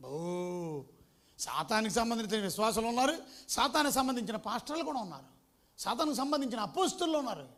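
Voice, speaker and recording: Man, preacher, very high voice, bright, emphatic, quizzes listeners, mixes in English. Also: very animated, a little fast. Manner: emphatic, questioning the congregation. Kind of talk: Telugu sermon.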